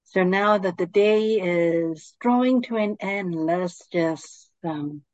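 Guiding a meditation, a woman speaks at a very slow, unhurried pace, her fairly low voice soothing and her instructions calm and gentle. The recording comes across dry and a bit dull.

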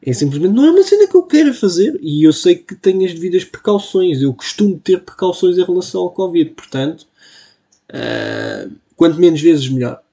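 A man's voice: sits high, expressive, brisk, creaky, mellow, breathy edge. A young man with a European Portuguese accent hosting a casual solo podcast, rambling and poking fun at himself. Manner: rambling, self-mocking, full of fillers. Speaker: podcast host. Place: home room at a computer. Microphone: computer mic.

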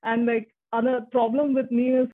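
A woman's voice: a little high, flat delivery, fairly quick. A woman in her forties whose first language is Tamil, talking casually as an interview guest, chatty with frequent restarts. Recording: muffled phone-like line.

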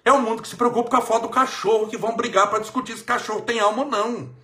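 A man's voice: very high-pitched, fairly even intonation, very fast, bright, forceful tone. A man with a Brazilian Portuguese accent, a politician giving a motivational religious talk, emphatic and repeating phrases for stress. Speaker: politician giving life advice.

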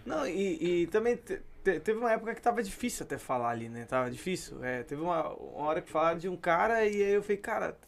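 A man's voice: sits high, very animated, quick pace, gravelly, hardly any pauses. A man, explaining his view in a casual chat with hesitant restarts.

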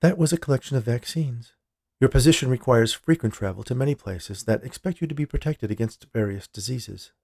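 A man's voice: medium pitch, a little fast, creaky, a little mellow, no echo. A man reads as a female company lawyer in a short story. She is officious and cool, speaking in formal, unbending phrases, with a very dry, close sound. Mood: curt, unmoved. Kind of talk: audio fiction character dialogue.

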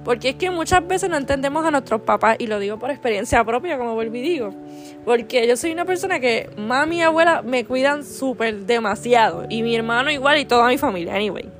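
Female podcast host, higher voice, affectionate and earnest devotional delivery, quiet music bed. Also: lively intonation, brisk. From Puerto Rico. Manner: earnest and affectionate, with constant "¿verdad?" tags and restarts. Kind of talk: heartfelt devotional talk.

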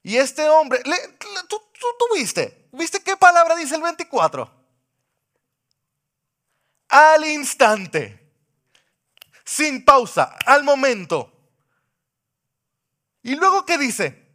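A male pastor preaching a sermon into a microphone, impassioned, swinging from loud cries to hushed pleading. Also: very high-pitched, big pitch swings, slow pace, pauses often.

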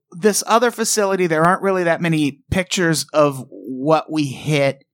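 A man's voice: a little high, no echo, studio quality. A man co-hosting a podcast, talking in a sarcastic, wry, casual way. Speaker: podcast co-host. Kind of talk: casual comedic chat.

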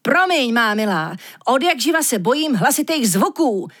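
Cowardly male reindeer, as a woman reads him, jittery, fussy, husky, pitched up, storybook. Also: big pitch swings, a bit bright. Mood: fretful. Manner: jittery, easily startled, indignant.

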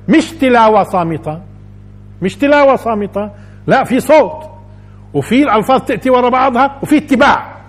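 A man's voice: very high-pitched, slightly rough. A man with a Levantine Arabic accent gives a Quran commentary lesson, repeating phrases and putting questions to his listeners. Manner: explains by repeating phrases and asking the audience questions. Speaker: religious teacher.

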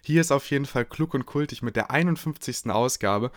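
A man co-hosting a podcast in casual chat, cracking deadpan jokes and absurd asides. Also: mid-range voice, brisk, dry recording, studio quality. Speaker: podcast co-host.

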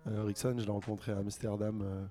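Low, mellow man chatting on radio. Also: fast. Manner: relaxed, chatty storyteller with fillers. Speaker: guest, producer and label manager. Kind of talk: casual radio interview. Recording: music playing faintly behind.

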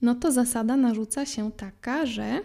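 Mellow-voiced Polish-speaking woman teaching French. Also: a little high. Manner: clear and explanatory, spells out letters slowly. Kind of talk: podcast language lesson.

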